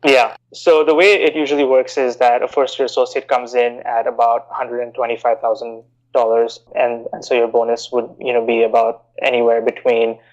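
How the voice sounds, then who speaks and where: A man in his thirties from India, raised in Bahrain, answering interview questions in a measured, explanatory way with frequent "you know" fillers. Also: mid-range voice, level tone, muffled recording. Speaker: guest, investment banker.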